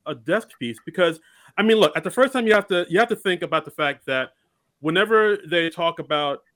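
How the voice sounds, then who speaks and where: Male podcast co-host, bright and slightly high voice, eager and chatty. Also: brisk. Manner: enthusiastic, laughing, frequent restarts. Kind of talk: casual comedy discussion.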